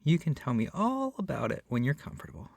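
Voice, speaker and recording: Man playing a lovesick yandere kidnapper, lively and soft. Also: mid-range voice, fast talker, vocal fry, no echo, clean studio sound. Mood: calm, doting. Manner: soft, hesitant, rambling, often dropping to a whisper. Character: lovesick young male yandere kidnapper, doting, awkward, possessive. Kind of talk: ASMR roleplay addressed to the listener.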